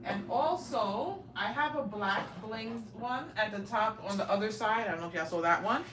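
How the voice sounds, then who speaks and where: A chatty woman in her forties leads a casual live-stream tour, talking straight to her viewers. Her voice sits at an ordinary middle pitch and carries the open ring of small home rooms. A faint hiss runs beneath it, picked up by a handheld phone. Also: normal speed. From raised in Brooklyn, New York. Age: 40s. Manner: chatty, keeps addressing viewers directly. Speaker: livestream host. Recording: roomy home audio, faint noise.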